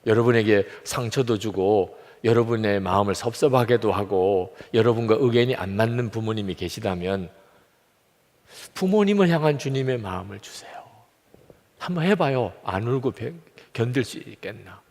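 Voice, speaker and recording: Older pastor preaching in a reverberant church. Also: male voice, lowish voice, normal speed. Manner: emotional testimony, swings from loud to near whisper. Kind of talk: sermon. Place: church sanctuary.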